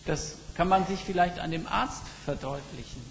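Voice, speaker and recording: Man preaching in a reverberant hall. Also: a little high. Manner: reflective, slow emphatic storytelling. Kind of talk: sermon. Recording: long reverb with faint background noise.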